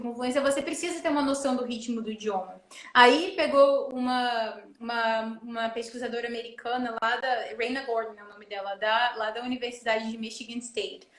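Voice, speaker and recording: High-voiced woman in a roomy space. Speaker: host. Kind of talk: casual live chat. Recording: roomy echo.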